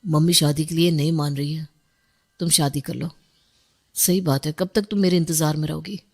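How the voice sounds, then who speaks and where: A woman's voice: deep voice, fairly even intonation, moderate pace. A woman voicing a frustrated young husband in a cartoon story, weary and exasperated. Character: frustrated young husband, resentful of his mother.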